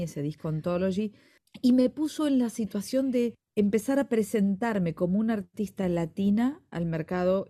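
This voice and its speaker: A middle-aged Argentine woman with an Argentine accent, a guest singer answering interview questions in a measured, explanatory way with soft fillers. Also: lowish voice. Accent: Argentine Spanish.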